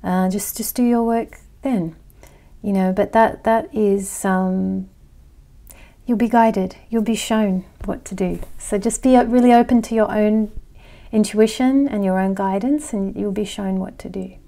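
A woman's voice: medium pitch, fairly even intonation, measured pace, vocal fry, dark tone. A woman in her thirties with an Australian accent tinged by American and English, chatting casually to camera from her living room on a lapel mic. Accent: Australian with some American and English. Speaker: astrology channel host. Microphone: clip-on lapel mic.

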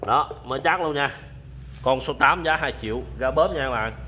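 Holding his phone while filming, a man shows off and explains used machines at night in a storage space crowded with equipment, a casual product demo aimed at the camera. He speaks at a moderate pace in a medium-pitched voice that sounds pushed and bright, with a little hiss or hum. His talk is chatty and loaded with fillers, and he repeatedly says "các bạn" straight to the audience.

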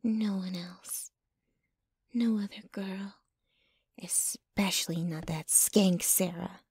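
A woman's voice: mid-range voice, fairly even intonation, takes it slowly, a little mellow, no echo. A woman playing a jealous, possessive, doting young girlfriend in an intimate, dramatic ASMR roleplay. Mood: possessive, breathy adoring. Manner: intimate, dramatic, swinging between ranting and breathy murmuring.

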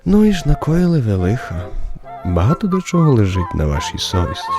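Elderly, lilting, sweetly courteous interrogator. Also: male voice, mid-range voice, wildly swooping pitch, a little fast, music in the background. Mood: softly probing. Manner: gently smiling, unctuously polite. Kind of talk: radio drama acting.

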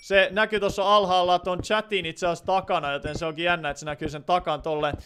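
A young Finnish man with a fairly high voice chats loosely through a desk microphone while streaming a block-building game. He fills his talk with hesitations and answers his viewers' comments as they come in. Faint mouse and keyboard clicks sit behind his voice. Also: little pitch movement, bright, forceful tone, a little hiss or hum. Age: teens. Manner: chatty, many fillers, reads and answers chat. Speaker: Minecraft streamer. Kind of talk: live gameplay commentary.

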